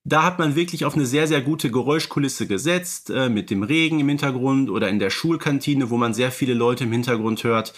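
A man's voice: mid-range voice, fairly quick, few pauses. Man, analytical podcast co-host. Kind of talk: conversational podcast discussion.

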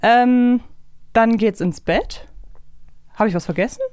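A woman's voice: fairly high pitch, slow pace, darkish tone, no room sound, clean studio sound. A woman co-hosting a podcast in casual chat, musing aloud and asking questions in a talkative way. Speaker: podcast co-host. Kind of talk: casual chat about an audio drama series.

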